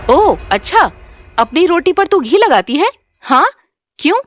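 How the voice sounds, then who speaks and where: A woman voicing a cruel, scolding middle-aged stepmother in an animated story. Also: extremely high pitch, a little slow, slight background noise, voice pushed up, heavily acted. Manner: scolding, sneering.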